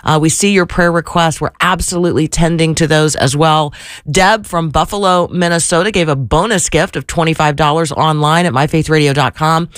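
Gravelly-voiced woman radio host. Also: deep voice, fairly even intonation, fairly quick, no echo. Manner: chatty and effusive, with fillers and restarts. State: slightly gravelly from allergies. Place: radio studio. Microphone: studio microphone.

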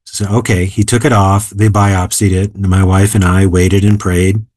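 A man in his seventies, an author and philosopher, explaining ideas in a measured, emphatic way during an interview. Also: sits low, level tone, a little mellow, dry recording. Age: 70s. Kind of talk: interview conversation.

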